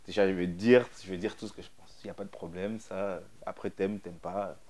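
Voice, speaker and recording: A middle-aged man, a DJ guest, answering interview questions in a joking, blunt way, with many fillers and pauses. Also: low-pitched, steady tone, darkish tone, slight background noise. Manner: jokey, blunt, hesitant with fillers. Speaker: DJ and producer guest.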